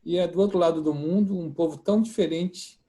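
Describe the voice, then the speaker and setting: A man's voice: a little high, fairly even intonation, a little fast, dark tone. A man, a church member, chatting in a jokey way and tagging his lines with questions.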